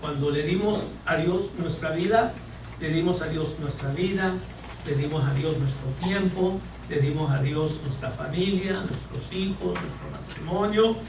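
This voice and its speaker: A man talks at a fairly slow pace in a fairly high pitch. Noticeable background noise and audible room echo fill the recording. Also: ordinary pitch variation. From US, Mexican-American. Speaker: assistant pastor. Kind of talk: sermon. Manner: halting, many fillers and repetitions.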